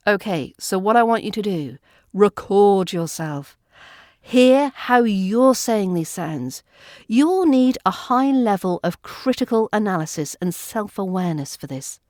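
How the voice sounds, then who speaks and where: A woman with an RP British accent, giving a scripted lesson as an accent coach, speaking in a clear, carefully enunciated way. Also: mid-range voice, darkish tone, no room sound, studio quality. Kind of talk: scripted teaching narration.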